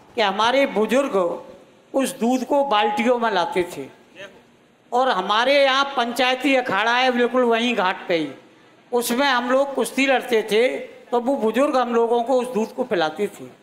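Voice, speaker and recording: Through noticeable background noise, a man speaks at an extremely high pitch with ordinary pitch variation. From India, Braj region (Mathura, Govardhan). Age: 70s. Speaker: local elder, debate panelist. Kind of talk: panel discussion.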